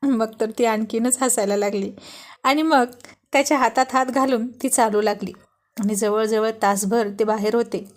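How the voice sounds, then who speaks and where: A woman narrating a serialized love story in an expressive storytelling manner. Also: fairly high pitch, normal speed.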